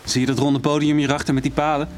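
A man's voice: a little high, flat delivery, fast talker, lightly acted. An actor playing a jaded, guarded male club boss in an audio drama, dismissive and condescendingly familiar. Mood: bitter, knowing. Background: music.

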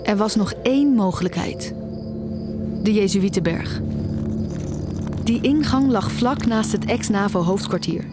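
A woman's voice: mid-range voice, expressive, unhurried, pauses often, over loud music, natural voice. An actress playing an anxious, stubborn young woman, a student, narrating and talking in an audio drama in an intimate way. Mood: brooding, uneasy. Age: young adult. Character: anxious, stubborn young female music student, nearly blind.

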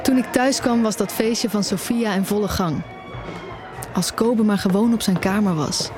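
An actress playing an anxious, restless young music student in an audio drama, narrating in terse, introspective fragments. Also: female voice, mid-range voice, normal speed, lightly acted. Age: young adult. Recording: music behind the voice.

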